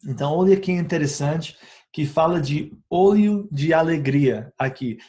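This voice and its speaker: A man speaking a learned second language in a casual teaching video about essential oils, pausing often on filler sounds, correcting himself and checking in with the viewer. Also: a little high, warm tone. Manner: hesitant, frequent filler sounds and tag questions.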